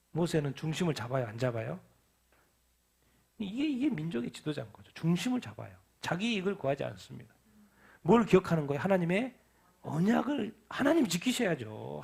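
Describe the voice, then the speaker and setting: A male pastor preaching at a midweek Bible study. He reads scripture slowly, then preaches with emphasis, asking the congregation questions and answering them himself. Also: a little high, gravelly, husky.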